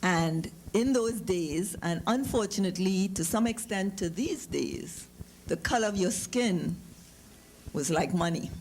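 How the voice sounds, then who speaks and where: A middle-aged woman with a Trinidadian accent reads a literary story to an audience, with informal asides and measured, deliberate phrasing. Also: medium pitch, lively intonation, a little mellow. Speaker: author giving a public reading. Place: live lecture event. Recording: noticeable background noise, clicks.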